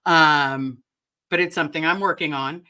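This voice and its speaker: A woman with a raspy voice hosting a casual livestream chat and talking straight to her viewers. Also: sits low, moderate pace. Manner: chatty and animated, addresses the chat directly. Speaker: livestream host.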